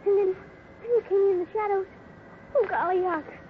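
A woman's voice: very high voice, brisk. A woman playing an earnest young cowboy boy with breathless exclamations in a 1950s radio adventure. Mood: relieved, contrite. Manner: breathless, gee-whiz exclamations. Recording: tinny, faintly noisy 1950s radio recording.

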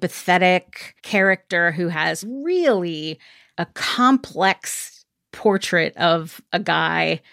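A woman hosting a podcast, talking through a film in a thoughtful, measured way. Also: lowish voice, animated, gravelly, a bit bright, no echo, studio quality. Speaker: podcast host. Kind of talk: casual roundtable discussion. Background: theme music.

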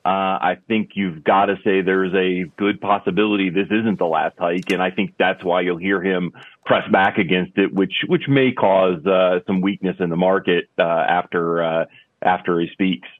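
Male investment pundit, deep voice, halting phrasing, thin phone-like dry sound. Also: fairly even intonation, no room sound. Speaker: investment expert guest. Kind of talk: live interview commentary. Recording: dull phone-like band-limited sound.

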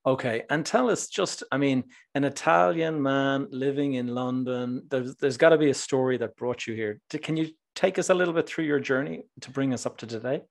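A man hosting a podcast, talking in an earnest, measured way with the odd restart. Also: medium pitch, gravelly. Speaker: podcast host. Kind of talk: casual podcast interview.

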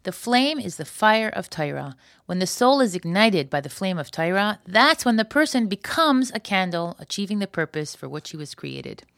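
A woman reading the part of a wise, solemn male rabbi in a story, measured and instructive. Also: mid-range voice, sing-song, a bit bright, no room sound, clean studio sound. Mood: solemn, teaching.

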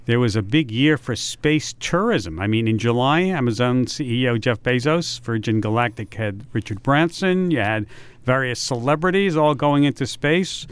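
A man hosting a public radio science talk show, speaking in an animated, lively way. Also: mid-range voice, moderate pace, clear, resonant tone.

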